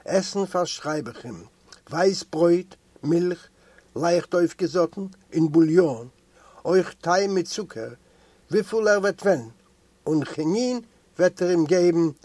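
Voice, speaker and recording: A man reading aloud and voicing a gentle, fatherly prison doctor with a soft, mild voice. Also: high-pitched, expressive, slow pace, no room sound, full character voice. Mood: reassuring.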